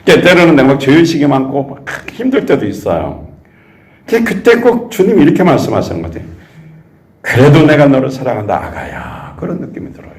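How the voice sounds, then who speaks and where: A man's voice: on the high side, big pitch swings, quick pace. A male pastor from South Korea preaching a sermon, asking the congregation rhetorical questions. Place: church sanctuary. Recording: echoey church sanctuary.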